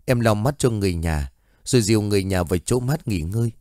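A smooth-talking woman psychic addresses a crowd with persuasive exclamations, as a man narrating puts her on. The delivery is lively and recorded dry and close. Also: fairly low pitch, fast talker, no room sound, lightly acted.

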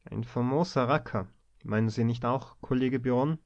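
A man voicing a gruff older bank director who speaks in a curt, commanding tone, in a storybook reading. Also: medium pitch, normal speed, a little mellow, close to an everyday voice. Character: gruff older male bank director, stern but fatherly. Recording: dull lo-fi recording.

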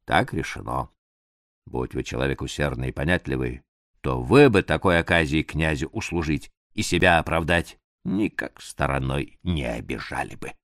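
A man reading an audiobook, voicing a sly official who gives measured instructions. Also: very deep voice, fairly bright tone, no echo, studio quality, pitched below the performer's own voice. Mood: instructing.

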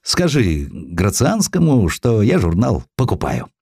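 Man acting a sly, blustering publisher, animated. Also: fairly low pitch, a little slow, creaky, husky, no room sound, clean studio sound, full character voice. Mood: offhand. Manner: hearty, dismissive, juicy delivery. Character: sly, blustering male newspaper publisher, coarse and scornful.

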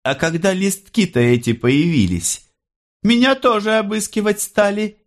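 A man voicing an older working-class mother, proud and plainspoken, his voice raised high. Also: slow. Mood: sly.

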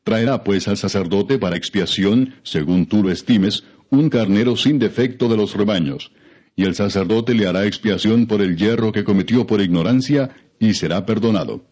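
A man reading scripture as an audiobook narrator, in a solemn, formal and measured scripted delivery. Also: lowish voice, a little mellow, husky.

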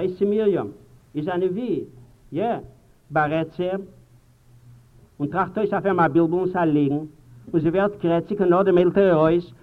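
A man in his sixties giving a public lecture, speaking earnestly to the audience and swinging between loud emphasis and quiet asides. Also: sits high. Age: 60s. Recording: tinny, hissy 1950s archival tape.

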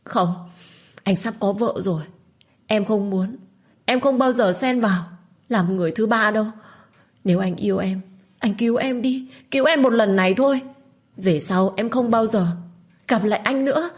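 A woman's voice: normal speed, pauses often, a little mellow, natural voice. A woman voicing a desperate young woman who begs tearfully to keep her child. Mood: pleading tearfully. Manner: tearful, begging, high and pressing.

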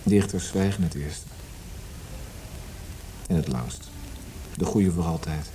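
An actor in a radio play voicing a sombre, evasive poet, speaking in a subdued, brooding, hesitant way. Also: male voice, deep voice, slow pace, warm tone, a little hiss or hum, poor audio. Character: sombre, evasive male Viennese poet visiting his dying friend.

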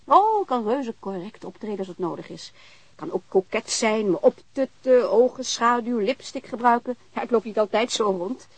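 Lively, husky, outspoken landlady. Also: on the high side, normal speed, dry recording. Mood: chatty, insistent. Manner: blunt, teasing, informal. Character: outspoken, unconventional landlady, informal and hospitable, wary of police. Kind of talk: naturalistic radio drama acting in Dutch.

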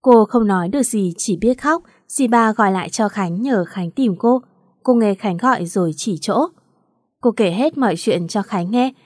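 A woman reading a story aloud in a steady, plain narration. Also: mid-range voice, moderate pace, no room sound, clean studio sound. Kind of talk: scripted narration.

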